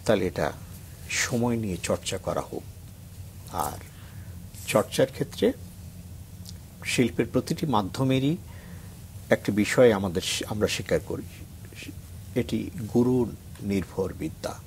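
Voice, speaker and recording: Here the same kind of guest, a middle-aged reciter from Bangladesh on a TV morning show, talks reflectively and then delivers a poem that swells in intensity. He has a fairly low, somewhat mellow voice, with slight background noise in the studio.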